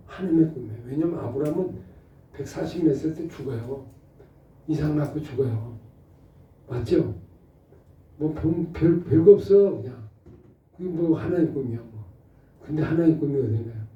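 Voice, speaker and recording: A middle-aged male pastor giving an animated Bible study, asking rhetorical questions and acting out short exchanges. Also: fairly high pitch. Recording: muffled roomy audio from a distant mic.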